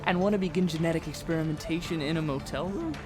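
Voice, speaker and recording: A woman's voice: deep voice, fast, music in the background, lightly acted. A woman playing a stern, disbelieving character in an audio drama, with an accusing, incredulous manner.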